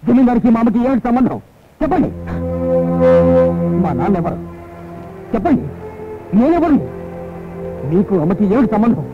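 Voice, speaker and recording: A chatty, fast-talking young servant. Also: male voice, very high voice, breathy edge, dry recording, heavily acted. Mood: demanding. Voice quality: rapid, flattering. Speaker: film hero. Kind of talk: Telugu film dialogue. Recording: tinny lo-fi film soundtrack, music.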